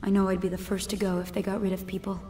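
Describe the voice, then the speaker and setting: A woman's voice: medium pitch, level tone, fast talker, lightly acted. An actress playing an anxious, defensive working woman in a video game. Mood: worried. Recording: echoey hall with faint music.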